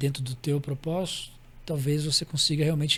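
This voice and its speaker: A man's voice comes through somewhat breathy. It sits fairly high in pitch. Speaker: business executive. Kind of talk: interview. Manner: animated.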